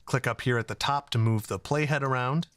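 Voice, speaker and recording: A man in his thirties hosting a casual software tutorial, explaining things in a conversational way. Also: medium pitch, fairly quick, dry recording. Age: 30s. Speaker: tutorial host.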